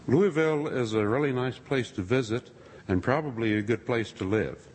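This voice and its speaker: A man giving a sermon-style talk to a congregation, with dry, wry asides and a husky voice. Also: medium pitch, moderate pace, a little mellow, slight background noise. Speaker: speaker addressing a congregation. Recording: long reverb of a large hall.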